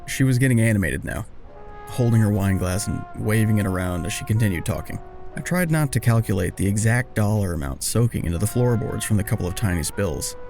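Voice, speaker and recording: A man tells a scripted first-person story with a low, gravelly and soft-edged voice. His delivery is wry and confessional, like someone owning up to his own misadventure. Faint music sits behind him. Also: animated, a little fast. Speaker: first-person narrator of an audio drama.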